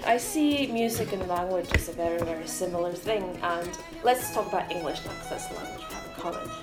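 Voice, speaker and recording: A young woman folk musician from Sweden, raised in Norway, thoughtfully explaining her views on music. Her voice rings in a roomy space, and folk music plays clearly behind her. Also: on the low side, lively intonation, a little fast. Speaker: folk musician, mandola player. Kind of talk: casual interview talk.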